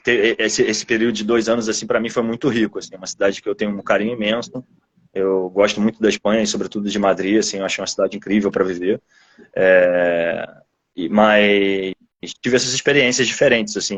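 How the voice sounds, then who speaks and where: A man with a Brazilian Portuguese accent speaking casually as an interviewed author, telling personal experiences in a reflective, halting, rambling way. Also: on the low side.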